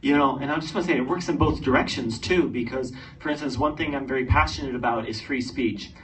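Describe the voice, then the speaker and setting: A man on a panel speaks in an earnest, measured way. He sits well back from the mic. A faint noise floor shows under his voice. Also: medium pitch, fairly bright tone, distant mic, rough recording. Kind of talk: panel discussion.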